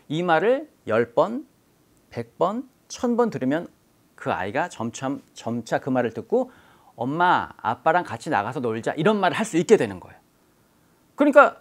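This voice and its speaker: Lively, high-voiced male teacher. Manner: explanatory, poses rhetorical questions. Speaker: language teacher. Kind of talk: exam-prep lecture.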